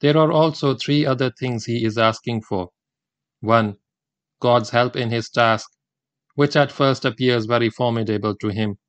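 An older man whose mother tongue is Gujarati delivers a formal religious talk in English. He speaks in a measured, deliberate cadence at a middling pitch. The recording is close and dry, with little room sound. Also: clean tone, no echo. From India.

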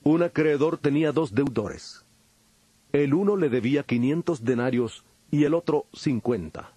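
Solemn male preacher-teacher, fairly high voice, declamatory and measured, for a Bible audio drama. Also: lively intonation, mellow, husky, dry recording. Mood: measured, instructive.

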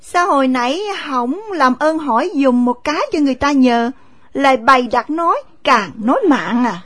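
A woman's voice: high-pitched, animated, normal speed, a bit bright. A woman voicing a sulky, scolding young country woman in an audio story. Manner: pouting, scolding.

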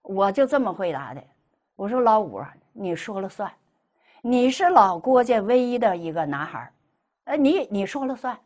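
A woman's voice: mid-range voice, normal speed. A middle-aged woman tells a personal testimony as a Buddhist lay speaker, acting out the dialogue she quotes. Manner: animated, acts out quoted dialogue.

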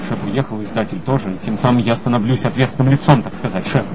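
An actor playing a nervous, fretful office manager left in charge, in a 1960s radio play. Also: male voice, medium pitch, fast, lightly acted. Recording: faint hiss on old studio tape.

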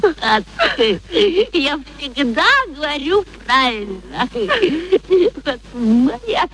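A woman's voice: sits high, big pitch swings, very slow, full character voice, poor audio. A woman in a radio play acting a young flower girl who carefully and indignantly poses as a refined lady. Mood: earnest, self-satisfied. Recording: faint noise, archive radio drama.

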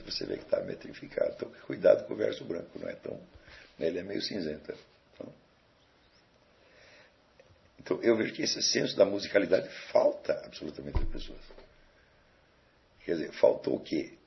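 Gravelly deep-voiced Brazilian man lecturing. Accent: Brazilian Portuguese. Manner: digressive, conversational, rhetorical questions with tag "tá certo?". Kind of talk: recorded lecture to students. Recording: dull lo-fi lecture recording.

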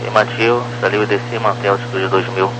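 Male air traffic controller, low voice, clipped radio phraseology, crackly transmission with clear hum. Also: level tone, quick pace. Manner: clipped procedural instructions, numbers read digit by digit. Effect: crackly aviation radio.

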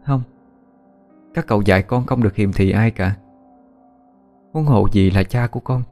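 A man voicing a gentle young daughter who speaks softly. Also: on the low side, normal speed, soft background music, close to an everyday voice. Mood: tender.

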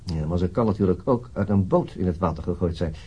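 An actor playing a tired, brooding police detective in a radio drama, understated and hesitant in manner. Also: male voice, sits low, fast, dark tone, husky, lo-fi sound. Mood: businesslike, weary. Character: tired, brooding male police detective leading a murder inquiry. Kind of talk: radio drama acting, naturalistic.

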